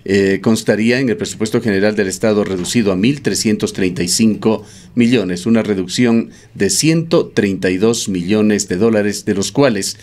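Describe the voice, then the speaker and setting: A man hosting a radio news program, interviewing a guest and reading a measured report with occasional fillers. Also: on the low side, a little mellow. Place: radio studio.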